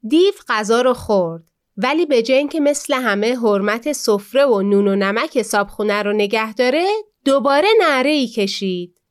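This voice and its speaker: Woman telling a children's story. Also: fairly high pitch. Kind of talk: storybook narration.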